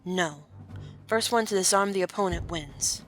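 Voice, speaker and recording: A woman's voice: on the low side, moderate pace, faint music behind, natural voice. A woman playing a proud, determined young noblewoman swordfighter in a fan audio drama.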